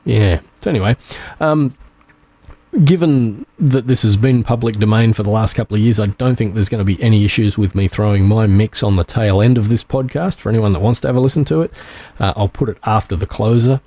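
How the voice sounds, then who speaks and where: A man with an Australian accent hosting a podcast on his own, talking in a relaxed, rambling way with frequent fillers and restarts. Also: on the low side, brisk. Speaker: podcast host. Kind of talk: casual solo podcast talk.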